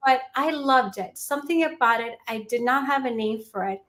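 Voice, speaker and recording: A woman's voice: high-pitched, moderate pace, fairly bright tone. A young adult woman from Peru, a mindfulness teacher answering interview questions in an earnest, reflective way. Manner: earnest, reflective, with restarts and small laughs.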